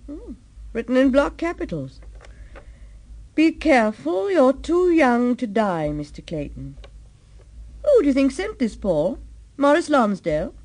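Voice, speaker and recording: An actress playing an inquisitive, affectionate detective's wife in a radio drama. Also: female voice, high voice, sing-song, measured pace, long pauses, a little mellow, heavily acted. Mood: curious.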